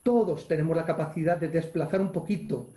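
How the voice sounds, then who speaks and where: Energetic Spanish coach in an echoey room. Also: male voice, fairly high pitch, brisk. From Spain. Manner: energetic, acts out gestures and exclamations, reads chat questions aloud. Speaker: coach and webinar speaker. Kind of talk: live online leadership webinar. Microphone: video call.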